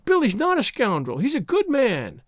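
A man's voice: sits high, huge pitch swings, darkish tone, no echo, studio quality, pitched above the performer's own voice, full character voice. A man voicing a naive, distressed young woman in a storybook reading, faint and small, with hesitant, pleading delivery. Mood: firm, defensive. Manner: hesitant, quavering, halting. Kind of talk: dramatised audiobook story reading.

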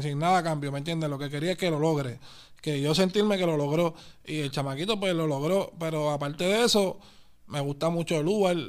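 A man with a Puerto Rican accent chats in a quick, lively stream of street slang and keeps calling his listener papi and brother. His voice sits high and comes through smooth and clear. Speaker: guest artist. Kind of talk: casual interview chat.

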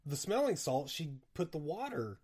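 A man's voice: on the high side, big pitch swings, normal speed, darkish tone, slightly rough. A man hosting a casual podcast, running a quiz game and bickering over the answer. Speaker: podcast host and quiz moderator. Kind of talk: casual chat.

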